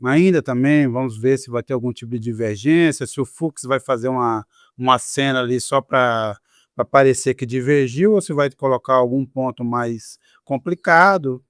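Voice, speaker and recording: A man's voice: medium pitch, normal speed, clear, resonant tone, dry recording, studio quality. A man with a Brazilian Portuguese accent hosting a political discussion in a conversational, wry manner. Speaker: host. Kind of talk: casual panel discussion.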